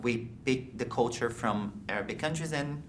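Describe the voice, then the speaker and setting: A woman from Brazil, asking interview questions in a quick, chatty way. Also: a bass voice, slight background noise. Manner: chatty, quick, laughs often.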